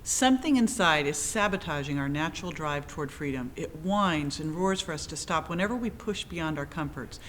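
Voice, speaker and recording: Woman, very low voice, scripted motivational reading, slight background rumble. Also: animated, moderate pace, few pauses, fairly bright tone. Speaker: reader.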